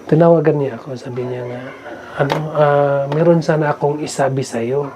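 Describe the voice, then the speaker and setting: A vlog host with a fairly high, steady-toned voice speaks at a moderate pace against crowd noise. He tells a story to viewers in a chatty way, often asking "no?", and the recording is full of noisy outdoor ambience.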